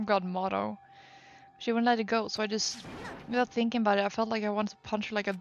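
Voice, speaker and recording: A woman's voice: medium pitch, flat delivery, fast talker, muffled recording, faint music behind, close to an everyday voice. A woman voicing a hot-tempered athletic teenage girl in a game, talking in an upset rush.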